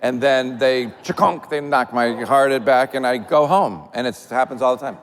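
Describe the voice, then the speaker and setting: A man at a middle pitch rattles off anecdotes on a live stage, laughing as he goes. A long reverb trails his voice through the theater. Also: normal speed. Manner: animated, giggly anecdote telling. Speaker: podcast co-host. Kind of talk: live podcast chat.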